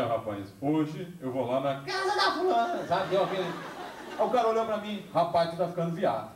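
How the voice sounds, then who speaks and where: A man gives a lively public talk to a young audience, holding a handheld microphone and acting out dialogue as he tells stories. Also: fairly high pitch, slight background noise. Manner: animated storyteller, acts out dialogue, gestures. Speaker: public speaker on alcohol and drugs. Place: large hall with a seated audience. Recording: echoey hall, camcorder recording.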